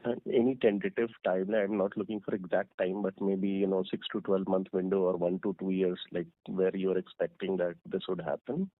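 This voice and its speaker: Guy calling in with analyst questions, lowish voice, tinny phone. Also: little pitch movement, a little fast, few pauses, no echo. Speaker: analyst caller. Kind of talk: asking questions on an earnings call. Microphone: phone line. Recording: tinny, narrow phone line.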